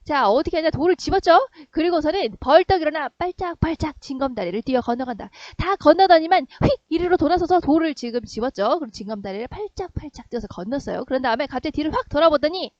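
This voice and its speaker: Woman teacher, high voice, lively lesson delivery with acted-out lines, dry and slightly muffled recording. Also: no echo. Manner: lively, acts out characters' lines in quick bursts. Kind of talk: explaining a novel for a middle school class.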